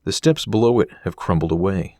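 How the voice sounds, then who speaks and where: A man delivering scripted documentary narration as the host of an exploration series, in a measured, descriptive manner. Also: sits low, expressive, dark tone.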